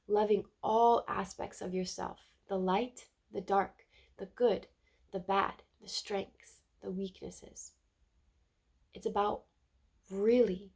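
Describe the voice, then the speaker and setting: A woman's voice: mid-range voice, vocal fry, dark tone, husky. A woman with a stuffy cold giving an earnest, casual spiritual card reading, often repeating words and adding "right?". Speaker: spiritual tarot reader.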